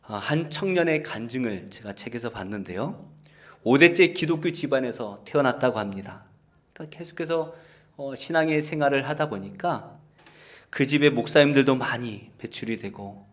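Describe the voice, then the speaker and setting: A man preaching a Sunday sermon as pastor, in an earnest, pleading way that swings between loud stressed phrases and hushed near-whispers. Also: fairly high pitch. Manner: earnest, pleading appeals to listeners. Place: church service.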